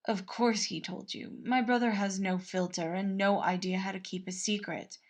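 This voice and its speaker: A woman's voice: mid-range voice, steady tone, moderate pace, lightly acted. A woman voicing a proud, lovelorn young prince in a fan-fiction audiobook, theatrical and easily flustered. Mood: frustrated, sulky.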